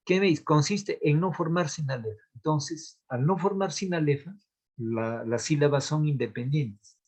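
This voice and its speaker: A man's voice: a little high, moderate pace, a little mellow, husky. A male literature teacher giving a recorded lesson on verse meter, counting syllables aloud one by one and checking in with rhetorical questions. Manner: asks rhetorical checks like "¿Bien?".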